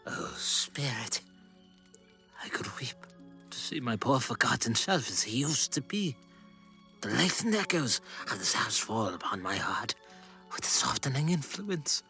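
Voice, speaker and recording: An actor playing Scrooge as a wistful, excitable old man in an audio drama, dramatic and given to both hushed murmurs and exclamations. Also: mid-range voice, unhurried, faint music behind, exaggerated voice. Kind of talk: theatrical audio drama acting.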